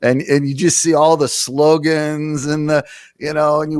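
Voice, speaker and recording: A man with an unremarkable speaking voice talks at a fairly slow pace and a fairly high pitch. The sound is dry and close, with no echo. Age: 60s. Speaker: author and former pastor. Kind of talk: casual chat.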